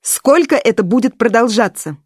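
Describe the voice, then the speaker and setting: A woman voicing a stern young stepmother who scolds and lectures loudly. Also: on the high side, animated, fairly quick, no echo, studio quality, pitched above the performer's own voice. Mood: scolding.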